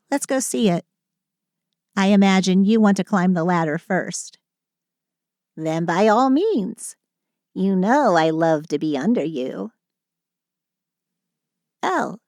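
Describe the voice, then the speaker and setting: A woman plays a sweet, sulky female Christmas elf in an intimate audio roleplay. Her delivery is very slow and close, with a dry sound free of room. She complains with theatrical sarcasm while staying affectionate toward her partner. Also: mid-range voice, no echo. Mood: playful, teasing. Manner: dramatic, sardonic, affectionate venting. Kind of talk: scripted audio roleplay monologue.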